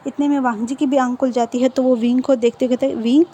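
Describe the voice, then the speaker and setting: A woman's voice: high voice, steady tone, quick pace, warm tone, husky. A woman casually retelling a fan fiction story in a chatty, loose way. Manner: chatty, full of fillers and restarts.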